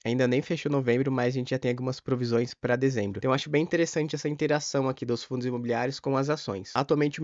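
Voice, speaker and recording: A man's voice: mid-range voice, a little mellow, no room sound, lo-fi sound. A man in his thirties from Brazil with a cold, casually walking viewers through his investments, recorded at home on a desk mic. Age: 30s. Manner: quick, chatty, explaining figures to viewers. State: has a cold, voice a bit off. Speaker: finance YouTuber. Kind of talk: casual screen-share walkthrough. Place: small home studio, indoors. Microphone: desk mic in front of him.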